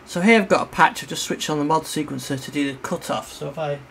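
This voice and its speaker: A man giving a casual, hands-on synthesizer demo, explaining informally and a little haltingly as he works. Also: a little high, creaky, fairly bright tone, a little hiss or hum. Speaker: synthesizer demonstrator and reviewer. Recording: synthesizer music behind the voice. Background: synthesizer sounds and music.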